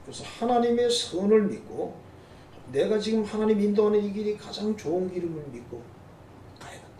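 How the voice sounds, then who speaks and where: A middle-aged male pastor preaches with a high voice that jumps up and down all the time, chatting and teasing his congregation. His tone is mellow rather than bright. The sound is roomy, picked up from a distance across the church. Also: expressive, brisk, slight background noise. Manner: conversational, teasing asides to the congregation. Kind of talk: sermon. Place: church sanctuary.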